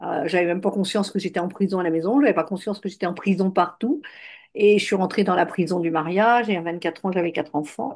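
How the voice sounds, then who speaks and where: Against a quiet background, a woman talks at a very fast pace. Her medium-pitched voice has ordinary pitch variation. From rural France. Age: 70s. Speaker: spiritual coach. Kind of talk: interview. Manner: halting.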